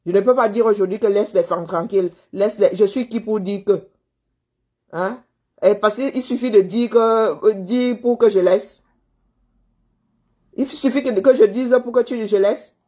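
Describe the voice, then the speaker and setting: A woman's voice: a little high, darkish tone. A woman delivering a heated monologue, scolding a listener, repeating herself and firing rhetorical questions. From Cameroon. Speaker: commentator answering viewers.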